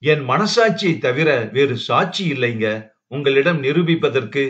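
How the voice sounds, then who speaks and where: A man's voice: medium pitch, lively intonation, unhurried, fairly bright tone. A man voicing a young wife who is upright and distressed, speaking in a firm, pleading tone. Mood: resigned. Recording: dull lo-fi recording.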